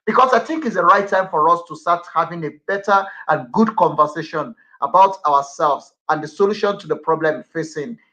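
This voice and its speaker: Male broadcast host, bright and fairly high, wordy and repetitive. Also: a little fast, hardly any pauses, poor audio. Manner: talkative, repeats himself, many fillers. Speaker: radio show host. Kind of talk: broadcast interview.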